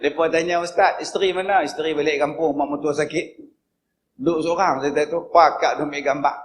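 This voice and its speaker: A man with a northern Malay dialect giving a humorous religious lecture as a preacher, telling stories with sudden loud high bursts. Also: steady tone, brisk, slight background noise.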